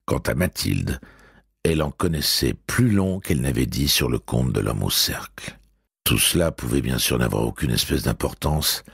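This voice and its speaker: A man narrating a novel aloud in an audiobook, with a measured, steady delivery. His voice is extremely deep, gravelly and husky. The recording is close and dry. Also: no room sound.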